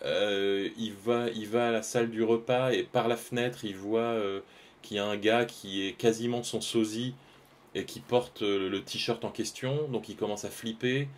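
A man's voice: lowish voice, steady tone, normal speed. A man, chatting casually and hesitantly with his stream viewers while he draws live, full of fillers and restarts.

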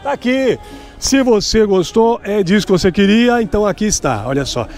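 A high, lively middle-aged man walks an outdoor night market with a handheld phone camera. He talks in a chatty, promotional way, quizzing vendors on prices. Faint music plays behind him. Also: moderate pace. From Brazil. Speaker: shopping vlogger touring a street market. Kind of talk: upbeat sales walkthrough.

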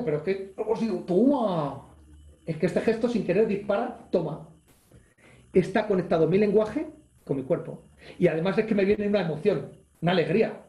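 Spanish-male coach, online webinar, energetic and demonstrative, warm mellow tone, roomy echo over a video call. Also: high-pitched. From Spain. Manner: energetic, acts out gestures and exclamations, reads chat questions aloud. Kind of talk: live online leadership webinar.

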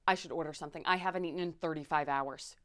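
A woman's voice: low-pitched, fairly even intonation, fast talker, a bit bright, no echo, studio quality. A woman playing a frazzled, self-important, overworked friend, confiding with strain in a comedy monologue.

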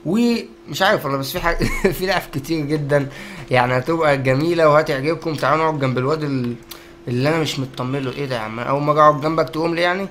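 Egyptian guy gaming on youtube, talks super fast, jokey and hyped, bit of noise behind. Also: on the high side. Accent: Egyptian Arabic. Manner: joking, excitable, talks to viewers. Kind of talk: let's-play commentary.

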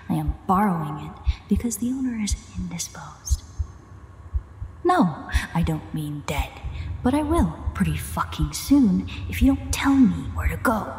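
Woman acting a low-voiced, frantic female vampire. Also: a little mellow. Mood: pressured, pleading. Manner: halting, swearing, breathy half-whispers. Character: frantic, foul-mouthed female vampire caring for wounded companion. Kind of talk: audio roleplay, intimate dramatic monologue. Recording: echoey reverberant sound, storm noise behind.

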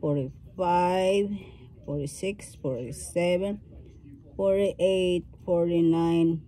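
A woman talking slowly through a jewelry-making tutorial, thinking aloud as she works with her hands, with some non-native phrasing. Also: fairly low pitch, warm tone. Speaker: craft video host. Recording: faint background noise.

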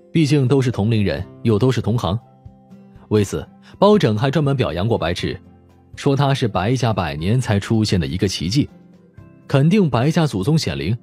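An audiobook narrator, a man, reads scripted fiction with a husky grain to his voice and lots of movement in his pitch. Soft music plays in the background.

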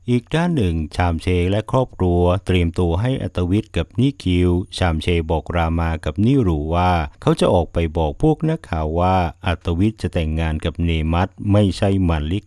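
A man narrating a plot recap of a drama in a steady, even storytelling manner. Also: low-pitched, dry recording, studio quality.

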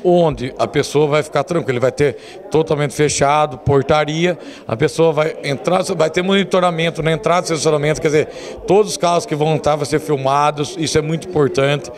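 A man's voice: a little high, fairly even intonation, fairly quick. A man in his forties with a Brazilian accent, a rodeo organiser answering questions in a TV interview. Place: indoor lobby. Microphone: handheld interview microphone. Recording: people audible in the background.

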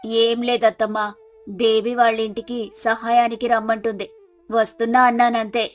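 A woman's voice: on the high side, flat delivery, moderate pace, close to an everyday voice. A woman voicing a village wife in a moral story. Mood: meek excuses. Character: lazy village wife turning earnest and hardworking. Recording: music behind the voice.

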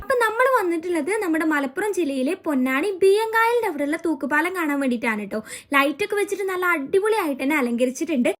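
A woman vlogger with a Kerala accent speaks in a high-pitched voice at a rapid pace. She narrates in a chatty way, sprinkling English words through her Malayalam. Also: lively intonation, fairly bright tone. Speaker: family vlog host.

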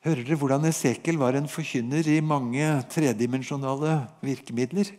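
A man's voice: mid-range voice, a little mellow. A man with a Norwegian accent teaching the Bible on a podcast, retelling a prophet's story in a vivid, storytelling way and voicing God's words.

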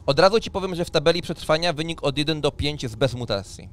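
A game master in his thirties walks players through the rules and narrates a tabletop role-playing scene in a slightly high, expressive voice at a quick pace. He's on a studio microphone mounted on a boom arm, and the recording has clear background noise.

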